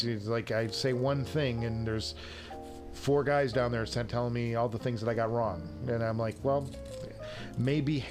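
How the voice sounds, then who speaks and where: A man hosting a casual livestream, chatting with viewers in a self-deprecating, joking way. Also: medium pitch. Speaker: livestream show host. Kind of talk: casual chat answering viewers' live comments.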